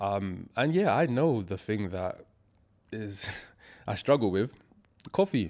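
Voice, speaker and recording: A man speaks in a London accent at a fairly low pitch with lively intonation. His pace is very slow, broken by long, frequent pauses. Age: 30s. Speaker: fitness coach. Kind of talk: casual chat.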